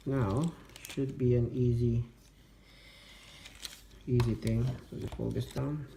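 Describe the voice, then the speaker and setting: A man slowly talking through a toy transformation step by step, muttering to himself as he works. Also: medium pitch, steady tone, vocal fry, warm tone. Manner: slow, step-by-step instructional talk, muttering to himself. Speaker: toy reviewer. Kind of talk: hands-on toy transformation demo. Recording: echoey room with background noise.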